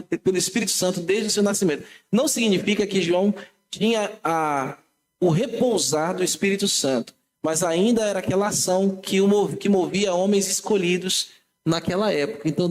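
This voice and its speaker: A Brazilian pastor, a man, teaches his congregation in a relaxed, conversational way, stopping to correct himself and speaking straight to the people. His voice sits a little higher than most men's. He sounds like a man leading a Bible study in church. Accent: Brazilian Portuguese. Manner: conversational, self-correcting, addresses congregation directly. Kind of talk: teaching Bible class sermon.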